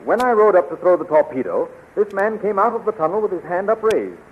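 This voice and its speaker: Tinny 1930s radio serial, earnest young space hero, animated pitch swings, eager, declamatory. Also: male voice, fairly quick, a little hiss or hum. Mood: puzzled. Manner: eager, declamatory, puzzled and sincere. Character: heroic, earnest, bewitched young space adventurer prince.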